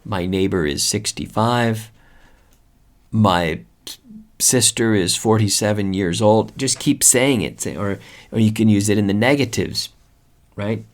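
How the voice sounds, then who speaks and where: A man's voice: on the low side, a little slow. A man hosting a podcast English lesson, patiently going through examples and checking in often, switching between English and Spanish to explain. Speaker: podcast host and English teacher.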